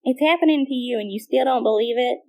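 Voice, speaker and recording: A woman plays a stern team leader in an audio drama. Her voice is very high. She speaks bluntly and urgently, as someone used to giving commands. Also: fast talker, darkish tone. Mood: insistent.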